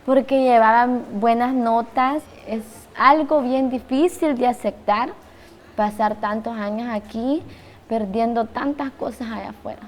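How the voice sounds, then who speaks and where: A Salvadoran woman in her twenties speaking in an interview, in a quiet, reflective way. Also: a little high, unhurried, slight background noise. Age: 20s.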